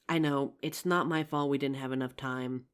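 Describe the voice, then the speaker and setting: A performer playing a regretful, tender zombie apocalypse survivor in an intimate audio roleplay, speaking earnestly with hesitant pauses. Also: mid-range voice, smooth, close to an everyday voice. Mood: apologetic, regretful. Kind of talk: ASMR audio roleplay, intimate scripted drama.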